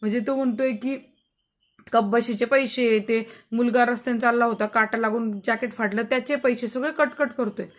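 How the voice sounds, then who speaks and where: Woman teacher, high voice, explaining a play to students. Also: fairly even intonation, moderate pace. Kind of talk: lesson reading and explaining a play.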